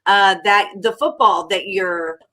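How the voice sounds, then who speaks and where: Bright-voiced woman co-hosting a podcast. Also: mid-range voice, steady tone, takes it slowly. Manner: friendly, prompting questions, laughs easily. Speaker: podcast co-host. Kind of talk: casual podcast chat.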